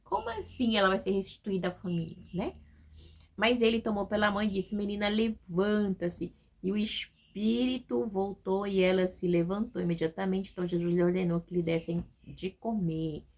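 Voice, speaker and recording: Speaking at a moderate pace in a mid-range, darkish voice, a Brazilian Portuguese-accented woman teaches a casual devotional Bible study. Between scripture readings, she checks in conversationally with those listening.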